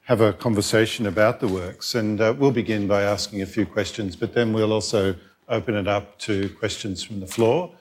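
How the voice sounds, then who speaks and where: A low-voiced man with an Australian accent moderates a theatre panel. He asks long, rambling questions, often hesitating with ums and rephrasings. He speaks on a microphone at a public event. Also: steady tone, normal speed.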